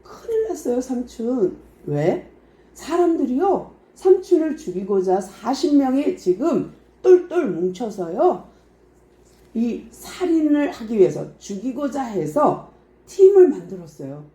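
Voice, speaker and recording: A woman's voice: fairly high pitch, very animated, a little slow, mellow, pitched above the performer's own voice. A woman voicing a frightened young man in a Bible story, speaking urgently and pleadingly, close to tears. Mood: alarmed. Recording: echoey room.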